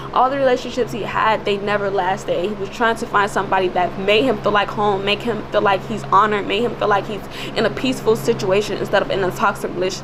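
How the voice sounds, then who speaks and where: A woman of medium pitch at a very fast pace, with audible room echo and noticeable background noise. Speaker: religious vlogger. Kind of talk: casual monologue. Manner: animated.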